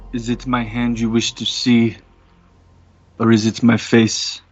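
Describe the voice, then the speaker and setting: A man voicing a solemn, courteous tree creature from the swamp, speaking gravely and formally. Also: medium pitch. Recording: dull sound with music behind.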